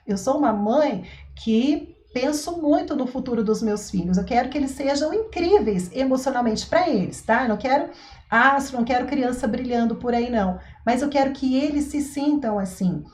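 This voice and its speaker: A woman, a mother and parenting coach, explaining to an online audience in an expressive way, often acting out scenes. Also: fairly high pitch. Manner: expressive, acts out scenes, tags sentences with "tá?" and "né?". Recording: echoey room.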